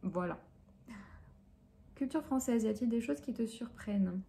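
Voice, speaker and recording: A woman's voice: a little high, animated, normal speed, creaky, dark tone. A young Frenchwoman who teaches French, answering interview questions in a hesitant way with many fillers and self-corrections. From France.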